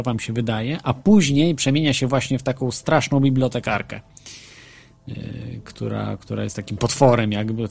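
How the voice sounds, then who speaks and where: A man with vocal fry and a darkish, medium-pitched voice hosts casual internet radio talk featuring ghost stories. He sounds hesitant, with frequent fillers and restarts, and a faint music bed sits underneath.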